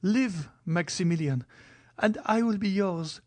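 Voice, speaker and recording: A man's voice: high-pitched, a little slow, a little mellow, voice pushed up. A man voicing a devoted, anguished young woman who pleads tearfully in an audiobook reading. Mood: impassioned.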